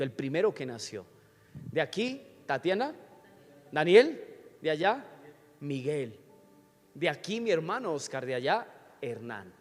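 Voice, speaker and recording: A man, preaching a sermon in church and often asking the congregation questions. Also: high voice. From Colombia. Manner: teaching with frequent questions to the congregation. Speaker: pastor. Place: church sanctuary. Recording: church hall reverb with faint music.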